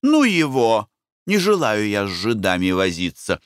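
A man doing a gruff grumpy husband, low and dry, no room sound. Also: huge pitch swings, measured pace, no echo. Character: grumpy middle-aged merchant husband, gruff and stubborn.

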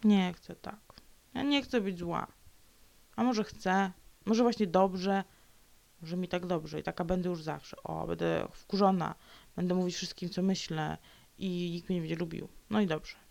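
A woman's voice: fairly low pitch, fairly even intonation, unhurried, vocal fry, a little mellow, no echo. A woman vlogger talking alone in a sulky, ranting way, slipping into whispered mutters and playful growls. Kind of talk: grumbling solo monologue.

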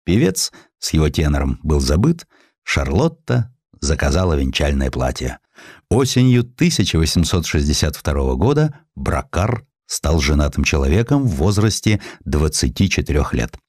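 Male audiobook narrator, deep and lively, voices the dialogue, studio-dry. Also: moderate pace, no echo. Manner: expressive reading, voices characters in quoted lines. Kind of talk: audiobook narration of a historical essay with acted dialogue.

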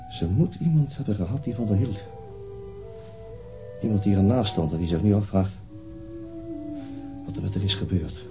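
An actor playing a tired, brooding police detective in a radio drama, understated and hesitant in manner. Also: male voice, low voice. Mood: brooding, melancholy. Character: tired, brooding male police detective leading a murder inquiry. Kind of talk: radio drama acting, naturalistic.

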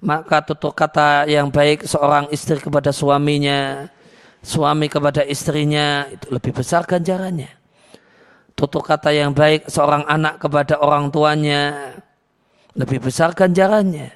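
A man giving an Islamic lecture on hadith, explaining calmly with many restarts and reciting Arabic verses before translating them. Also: a little high, unhurried, clear, resonant tone. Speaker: Islamic teacher.

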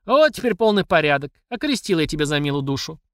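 A fierce older mother full of folksy sayings, high and lively in pitch, as a male narrator puts her on. The recording is close and dry. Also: fast, no echo. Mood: gloating. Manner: shouting, mocking, folksy sayings. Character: fierce, furious older working-class mother.

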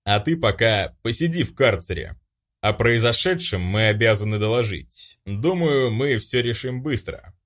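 A man's voice: mid-range voice, expressive, normal speed, a bit bright, close to an everyday voice. A man as a curt academy teacher.

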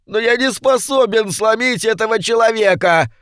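A man voicing a desperate, whining minor male demon, pleading in a strained high voice for an audiobook. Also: moderate pace, a bit bright, clean tone, dry recording, studio quality. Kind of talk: audiobook character voice.

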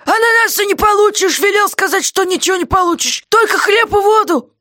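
A woman voicing a gruff, grunting male jailer who yells and blusters but sounds unsure of himself. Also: extremely high pitch, lively intonation, brisk, dry recording, studio quality, pitched above the performer's own voice, exaggerated voice. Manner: yelling, blustering.

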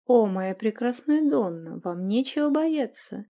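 A woman's voice: on the high side, lively intonation, a little slow, warm tone. A woman reader voicing a gallant, flowery Viking count who speaks pompously and courtly.

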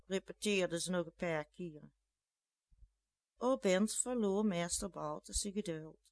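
A Flemish dialect storyteller reading a tale at a very slow, deliberate pace. The voice sits mid-pitched, and the recording is dry and close with no room sound. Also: fairly bright tone, dry recording.

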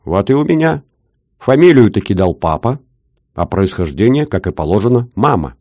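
A man's voice: lowish voice, sing-song, normal speed, dark tone, no echo, studio quality. A man voicing a shrewd older jeweler with an Odessa accent, talking in a wheedling, sing-song bargaining patter. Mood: scheming. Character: shrewd older male jeweler, haggling, fussy.

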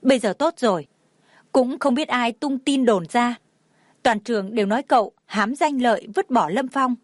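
A woman's voice: a little high, normal speed, dry recording, clean studio sound, lightly acted. A woman voicing an indignant young female college friend who talks in an urgent, pushy way.

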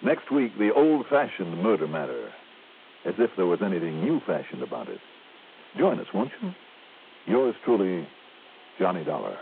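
An actor playing a wry, easygoing investigator in an old radio drama, with an American accent. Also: male voice, on the low side, sing-song, moderate pace, long pauses, slight background noise. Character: wry, easygoing male investigator narrating his cases. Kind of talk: 1960s radio drama acting. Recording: tinny old radio, music behind.

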